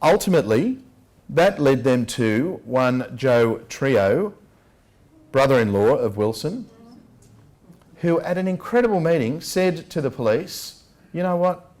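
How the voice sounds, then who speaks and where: An Australian man delivering an investigative lecture in an emphatic, rhetorical manner, leaning on key words with deliberate stress. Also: medium pitch, expressive, a little mellow. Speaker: public speaker, lecturer. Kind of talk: public address, investigative lecture. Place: public talk at a venue.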